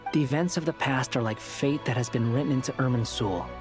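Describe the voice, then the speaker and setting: Man doing a challenging game companion, mid pitch, faint music under. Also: fairly quick, close to an everyday voice. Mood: stern. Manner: blunt, challenging.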